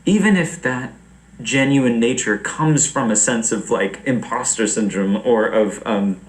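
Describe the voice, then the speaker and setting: A young man chatting casually on a livestream, rambling and animated, laughing often. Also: medium pitch, unhurried, roomy sound, rough recording. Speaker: streamer.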